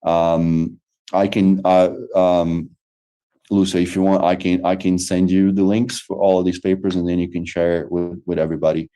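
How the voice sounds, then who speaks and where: This is a Brazilian man with a deep, dark voice that barely rises or falls. He answers questions hesitantly, with many fillers and self-restarts. He is speaking over a video call. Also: level tone, moderate pace. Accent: Brazilian Portuguese. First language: Portuguese. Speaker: lecturer. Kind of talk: online lecture Q&A.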